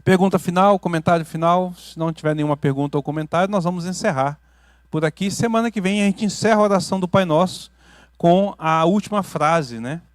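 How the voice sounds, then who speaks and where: A Brazilian man preaching a teaching sermon as pastor, building to loud emphatic peaks and dropping to quiet asides, often checking in with his listeners. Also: high voice, brisk, no echo, studio quality. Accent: Brazilian Portuguese. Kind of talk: teaching sermon with questions to the congregation. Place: church hall.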